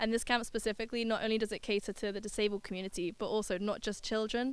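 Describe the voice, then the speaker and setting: Talking at a very fast pace, a woman with an English accent holds a fairly high pitch in a monotone, flat delivery. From southern England. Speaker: camp counsellor. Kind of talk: interview.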